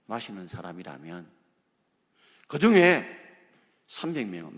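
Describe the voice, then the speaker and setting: Animated Korean pastor preaching in a reverberant church. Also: male voice, medium pitch. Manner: emphatic preaching with rhetorical questions to the congregation. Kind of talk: sermon. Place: church sanctuary. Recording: long hall reverb.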